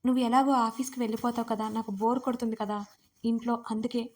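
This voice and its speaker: A woman's voice: on the high side, level tone, fast talker, lightly acted. A woman voicing a pouting, pleading young wife in a romance audio story, coaxing and pouty.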